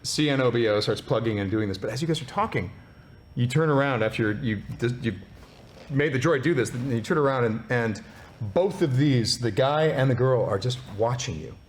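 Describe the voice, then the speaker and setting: A man's voice: mid-range voice, brisk. A man running a tabletop game as game master, narrating in a playful way and laughing often. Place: studio.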